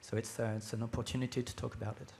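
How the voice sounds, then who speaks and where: A man introducing himself as a panel guest at a conference, speaking in a hesitant, halting way. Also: medium pitch, level tone, a little mellow. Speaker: research gender equality officer, panel guest.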